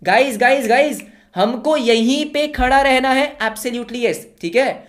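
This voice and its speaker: An energetic male teacher giving an online lecture. He keeps firing rhetorical yes-or-no questions at the class and mixes English terms into everyday speech. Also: extremely high pitch, takes it slowly.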